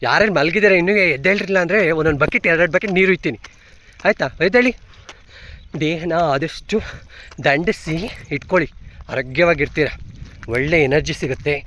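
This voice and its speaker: A trans woman vlogger talks casually while walking outdoors on a hill, teasing and bossing her viewers loudly. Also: sits low, a little fast, long pauses, a little hiss or hum. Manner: loud, teasing and bossy, scolding the viewers playfully. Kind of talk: casual vlog. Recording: roomy echo.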